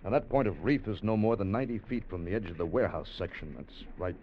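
A man's voice: on the low side, expressive, fast, slight background noise, lightly acted. An actor playing an earnest, hesitant man leading a treasure salvage voyage, in 1940s radio acting, on a dull old broadcast recording. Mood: explaining.

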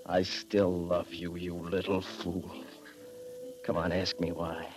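An actor playing a drunken, menacing private detective in a 1940s radio drama, slurring and swinging between tenderness and threats. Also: male voice, low voice, little pitch movement, slow, music in the background. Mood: brooding. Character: drunken hard-boiled male private eye, menacing.

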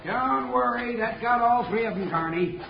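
A man's voice: very high-pitched, normal speed, creaky. A man playing a cold-blooded, scheming outlaw with an American Western accent in an old radio western. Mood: smug. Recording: dull old radio recording, faint noise.

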